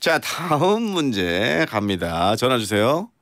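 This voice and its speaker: A man's voice: medium pitch, very animated, slow, background noise. A man hosting a radio phone-in quiz in a playful, exclamatory, teasing way. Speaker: radio quiz show host.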